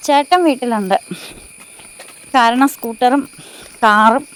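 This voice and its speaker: A woman's voice: a little high, slow, a bit bright. A middle-aged woman with a central Kerala Malayalam accent, talking casually through a walking vlog and cooing to her animals outdoors. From Thodupuzha, Kerala. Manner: chatty, coos and calls out to animals. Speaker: vlogger. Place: outdoors on a rural farm path.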